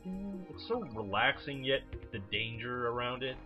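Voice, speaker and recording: A man's voice: medium pitch, lively intonation, unhurried, pushed and bright. A man giving casual, rambling video game commentary as a let's player, informal and prone to swearing. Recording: dull lo-fi mic over game music. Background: video game music.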